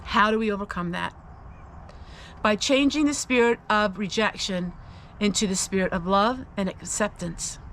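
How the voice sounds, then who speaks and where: A woman's voice: medium pitch, moderate pace, fairly bright tone, a little hiss or hum. A woman sharing a personal Christian testimony, speaking in an earnest, confiding and emphatic way as she encourages listeners. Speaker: host of a faith-based personal vlog.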